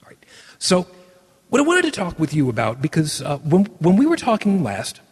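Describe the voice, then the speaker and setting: A man hosts a podcast broadcast from a virtual world, chatting casually and rambling with many restarts. His slightly rough voice sits on the high side with huge pitch swings at a moderate pace, and the room sound is echoey and washed-out.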